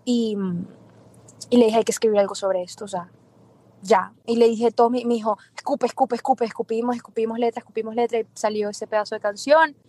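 A woman singer being interviewed, talking casually in a lively, quick way. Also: on the high side. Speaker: singer guest.

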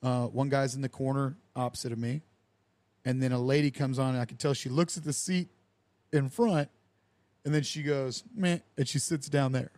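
Young man hosting a podcast, lively anecdote teller who plays out the dialogue, mid-pitched, dry close sound. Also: moderate pace, no echo. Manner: animated storyteller who acts out quoted dialogue with lively voices. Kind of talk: casual storytelling chat.

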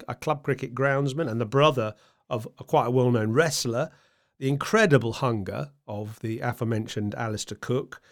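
A man with an English accent hosting a conversational interview, asking chatty, rambling questions. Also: mid-range voice. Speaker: interviewer and host.

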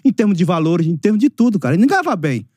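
Fiftyish brazilian ex-footballer telling stories, high voice swinging all over, dry close sound. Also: male voice, rapid-fire, dry recording. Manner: lively anecdote-telling, acts out quoted voices, laughs often. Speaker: podcast guest, former footballer. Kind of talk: casual storytelling chat.

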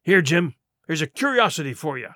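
A man reading an audiobook, voicing a cunning, forceful old pirate cook with rough sailor's speech. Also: on the high side, very animated, a little fast, dry recording, studio quality. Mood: derisive.

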